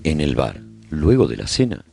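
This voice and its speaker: A man narrating a radio drama as a survivor chronicling life in his colony, with measured, expressive storytelling. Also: very deep voice, creaky, soft background music, exaggerated voice. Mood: reflective storytelling. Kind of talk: scripted first-person narration, radio drama.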